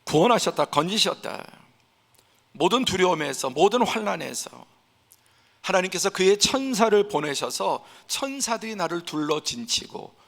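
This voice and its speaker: Gravelly-voiced pastor preaching in a reverberant church. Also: male voice, on the high side. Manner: emphatic, building to forceful peaks; acts out scenes in a hushed voice. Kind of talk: Sunday sermon. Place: church sanctuary.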